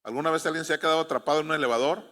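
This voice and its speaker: Mexican pastor, male, fairly high, bright forceful voice, storytelling sermon, long hall echo. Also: rapid-fire. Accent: Mexican Spanish. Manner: storytelling preacher who asks the congregation to respond.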